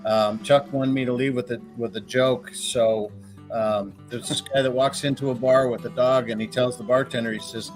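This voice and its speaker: A man's voice: medium pitch, steady tone, normal speed, faint music behind. A man hosting a live question-and-answer show, talking casually and telling jokes in a folksy way with plenty of fillers. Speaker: host.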